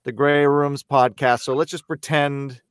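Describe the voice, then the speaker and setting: A man's voice: medium pitch, little pitch movement, a little slow, a crowd in the background. A man hosting a podcast, chatting casually with his co-hosts and often fumbling for words. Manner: rambling, friendly, loses his words. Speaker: podcast host. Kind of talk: casual group chat over mics.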